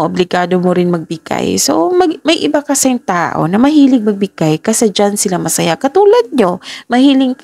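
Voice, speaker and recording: A woman's voice: medium pitch, gravelly, a little mellow, no room sound, clean studio sound. Chatty woman tarot reader with a cold. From Philippines. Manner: halting, pauses often, chatty and reassuring. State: stuffy with a cold. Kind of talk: casual tarot reading to camera.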